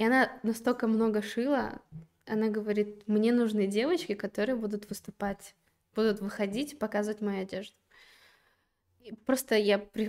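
A woman talks at a moderate pace and a fairly high pitch, with fairly even intonation. Her speech has long, frequent pauses. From Kazakhstan, Almaty. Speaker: shogi player and student. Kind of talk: casual interview. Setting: live studio broadcast.

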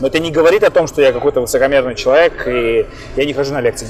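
A man speaks at a fairly high pitch. Noticeable background noise can be heard. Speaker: bar industry figure and author. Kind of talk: interview. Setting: trade show floor.

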